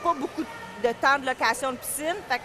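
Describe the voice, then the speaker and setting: A woman's voice: high voice, brisk, over music. A woman in her thirties with a Québécois French accent, talking casually as an interview guest, hesitant with many fillers and restarts. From Quebec, Canada. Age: 30s. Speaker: guest, diving club vice-president and coach. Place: indoor pool area.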